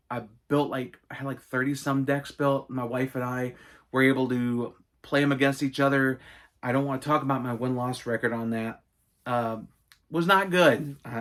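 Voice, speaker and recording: A middle-aged man hosting a casual Q&A video, telling stories with enthusiastic, animated asides. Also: medium pitch. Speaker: gaming and wrestling channel host. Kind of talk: casual Q&A monologue.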